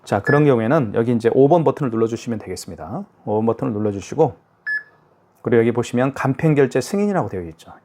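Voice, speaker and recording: A man's voice: medium pitch, expressive, quick pace, warm tone. Chatty man demonstrating a card terminal. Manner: chatty, self-narrating each step, frequent "자" and "그죠?". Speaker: product demonstrator. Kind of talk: casual product tutorial. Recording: faint hiss with device clicks.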